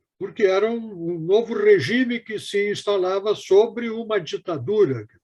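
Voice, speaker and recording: Fairly slow delivery from a man with a high-pitched voice and ordinary pitch variation. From southern Brazil (Rio Grande do Sul). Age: 70s. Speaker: author and journalist. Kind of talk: interview.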